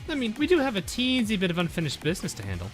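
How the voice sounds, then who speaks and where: A man's voice: high voice, wildly swooping pitch, very fast, over music, voice pushed up. A man voicing a bubbly, taunting sorority-girl villainess from a game, with mock-sweet Valley Girl talk. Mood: teasing, smug.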